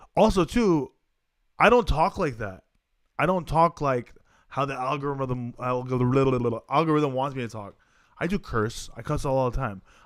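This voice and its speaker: A man with a plain, everyday voice, medium pitch, ordinary pitch variation and a moderate pace, on a very clean recording with a silent background. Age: 30s. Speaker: comedian. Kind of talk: casual chat.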